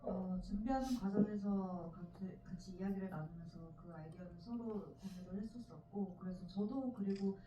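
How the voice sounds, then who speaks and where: A woman's voice: medium pitch, moderate pace, few pauses, mellow. An actress at a film Q&A describes her preparation earnestly and reflectively, recorded from the audience in a cinema. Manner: earnest, reflective, with many fillers. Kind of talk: panel Q&A answer. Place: cinema auditorium. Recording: distant echoey lo-fi audience recording with hiss.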